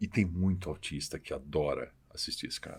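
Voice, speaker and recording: A man's voice with vocal fry. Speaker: podcast host. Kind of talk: casual chat.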